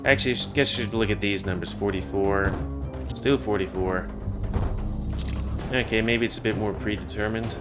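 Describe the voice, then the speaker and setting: A man's voice: fairly low pitch, steady tone, normal speed, long pauses. A man casually reading a game's text aloud and adding joking asides. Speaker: gamer. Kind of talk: let's play, reading game text aloud. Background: game music.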